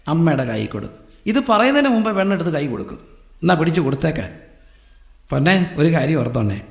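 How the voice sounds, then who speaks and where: A man preaching a sermon, telling stories and asking questions he answers himself. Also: fairly high pitch. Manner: storytelling, asks questions and answers them. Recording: echoey hall.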